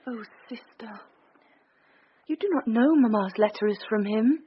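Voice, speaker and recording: An actress playing an anxious Victorian sister. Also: female voice, a little high, moderate pace, slight background noise, lightly acted. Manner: anxious, concerned. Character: worried Victorian elder sister. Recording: dull lo-fi radio play recording.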